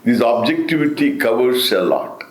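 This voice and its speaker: An older man with an Indian accent gives a spiritual discourse as a Hindu teacher, deliberate and emphatic, repeating phrases and posing rhetorical questions. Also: medium pitch, big pitch swings. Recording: roomy, echoing sound.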